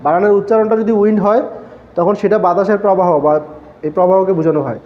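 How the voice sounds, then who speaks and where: A man's voice: sits high, quick pace, highs cut off. A man teaching a classroom lecture, explaining step by step and asking the class questions that he answers himself. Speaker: textile engineering lecturer.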